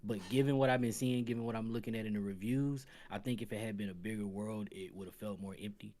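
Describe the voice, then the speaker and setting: A man's voice: on the low side, fairly even intonation, fast, warm tone. A man on a gaming podcast panel discussing casually, giving opinions that he carefully qualifies as he goes.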